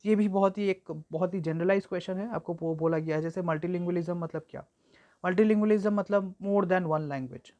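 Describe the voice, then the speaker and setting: A woman's voice: lowish voice, a little mellow. Woman tutor explaining exam answers. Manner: reads English examples slowly and deliberately; explanatory, repeats points, frequent fillers. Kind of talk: exam-prep lecture mixing Hindi and English.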